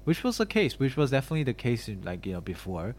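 A man's voice: medium pitch, wildly swooping pitch, fast talker, darkish tone, slight background noise. A young man in a casual conversation as host, rambling along with lots of "like" and "you know". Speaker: podcast host interviewing a friend. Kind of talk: casual chat.

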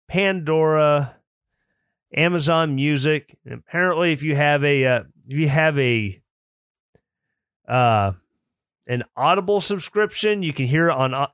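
A man's voice: on the high side, fairly bright tone, smooth, dry recording, clean studio sound. A man hosting his own political commentary podcast, opinionated and mocking, sometimes mimicking opponents in snooty put-on voices. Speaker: podcast host.

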